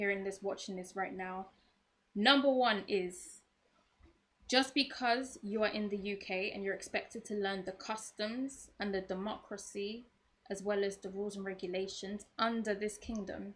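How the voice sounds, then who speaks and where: Speaking with a British accent, a woman talks at a moderate pace and medium pitch, her intonation fairly even. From UK. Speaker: host's daughter. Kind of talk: casual chat.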